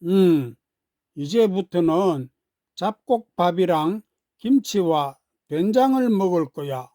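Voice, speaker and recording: Woman playing a gentle, unhurried storybook mother. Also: lowish voice, expressive, no room sound, clean studio sound. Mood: explaining. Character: gentle mother newly resolved to get in shape.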